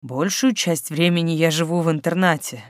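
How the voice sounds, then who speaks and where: A reader voicing a calm, self-assured teenage boy who speaks matter-of-factly, in a slightly lower voice. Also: moderate pace, no echo, clean studio sound, lightly acted.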